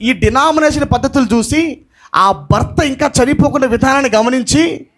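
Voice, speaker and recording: Shouting the lines he wants to stress and mixing in English phrases, a male pastor gives an impassioned sermon at a moderate pace, his pitch extremely high.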